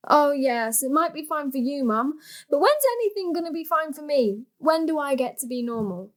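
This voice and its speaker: A woman's voice: high voice, lively intonation, moderate pace. An actress playing a frustrated, yearning young woman, a blunt and earnest daughter in a stage drama. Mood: upset, pleading. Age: young adult.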